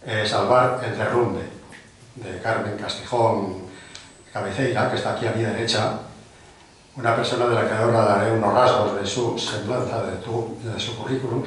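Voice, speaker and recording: A man's voice: fairly low pitch, recorded from a distance, slight background noise. An older man from Spain hosting a book presentation, speaking in a chatty, rambling way with small self-deprecating jokes. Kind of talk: informal welcoming speech. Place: large hall of a cultural club, indoors. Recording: very echoey hall, heard from afar.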